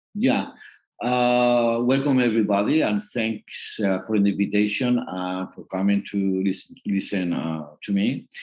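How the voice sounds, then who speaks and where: With a Spanish accent, a man speaks in a fairly low voice at a fairly slow pace, showing ordinary pitch variation. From Spain. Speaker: pilates teacher and author. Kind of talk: interview. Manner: halting.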